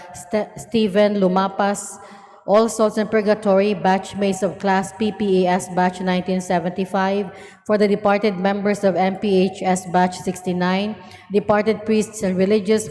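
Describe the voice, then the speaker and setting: Female lector, medium pitch, monotone list reading, big reverberant church sound. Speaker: lector reading Mass intentions. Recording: reverberant hall, long echo tail.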